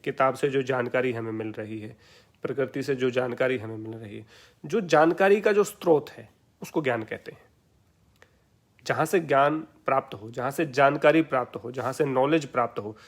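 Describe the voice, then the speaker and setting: A man with an Indian accent giving a yoga lecture, explaining terms step by step and answering his own questions. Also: medium pitch. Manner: asks questions and answers them himself, repeats key terms.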